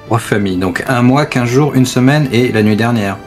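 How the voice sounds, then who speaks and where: A man's voice: mid-range voice, normal speed. A man playing in a tabletop roleplaying game, improvising his character's side of a conversation. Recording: music playing under the voice.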